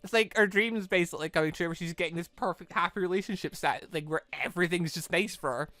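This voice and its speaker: An excitable, rambling gaming channel host giving casual let's play commentary, prone to breaking into laughter, on a close mic. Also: mid-range voice, fast, no echo, faint music behind.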